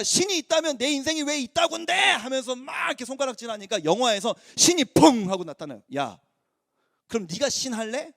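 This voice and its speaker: A man with a strikingly high voice gives a lively, storytelling sermon to a teenage congregation, swinging up and down in pitch as he acts out quotes. He slips casually between chatty and polite speech. The sound is close and dry, with no room around it. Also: no echo. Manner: informal speech mixed with polite forms. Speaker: youth pastor.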